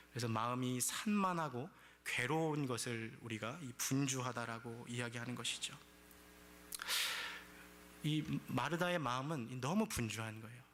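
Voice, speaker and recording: A male pastor delivers a Sunday sermon in a bright, clear voice. He tells the story with lively animation and slips into the voices of grumbling characters. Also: medium pitch. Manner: animated storytelling, acts out quoted complaints.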